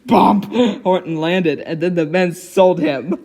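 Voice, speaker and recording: A man voicing a cheerful young girl who reads a storybook aloud in an expressive, giggly way. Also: sits high, slow pace. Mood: storytelling. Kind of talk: dramatic storybook reading with giggly asides.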